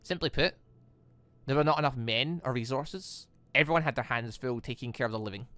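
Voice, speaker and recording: A man's voice: medium pitch, bright, forceful tone, dry recording. A man reading visual novel dialogue aloud as a gaming host, often stumbling and correcting himself. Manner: halting, stumbling over words and correcting himself.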